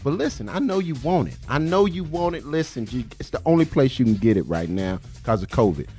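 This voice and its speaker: A man co-hosting a sports talk show speaks at a middle pitch. His tone is playful and jokey, and he likes to tease his partner. Faint music plays behind him. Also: big pitch swings, fairly quick, darkish tone. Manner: playful, jokey, laughs often.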